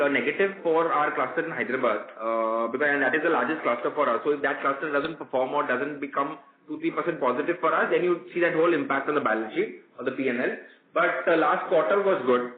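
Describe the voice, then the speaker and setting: A man with an Indian accent giving explanatory answers as a company executive on an earnings call. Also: on the high side. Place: conference call. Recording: muffled, roomy conference phone line.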